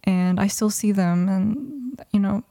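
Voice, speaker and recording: A woman's voice: medium pitch, takes it slowly, mellow, dry recording, studio quality. A woman of twenty, raised in Mexico with Russian as her first language, talking thoughtfully in a casual interview with many restarts. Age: 20s. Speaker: guest.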